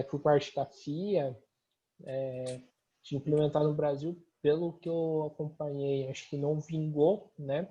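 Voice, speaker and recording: A man's voice: a little high, mellow, highs cut off. A male podcast host asking long, hesitant interview questions full of restarts.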